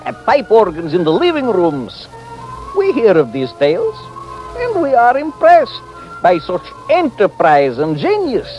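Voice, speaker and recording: An actor playing a genial, boastful gypsy peddler who spins tales grandly in an old radio western. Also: male voice, high-pitched, heavily acted. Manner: grandiose, chuckling, theatrical. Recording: dull vintage radio recording, music behind.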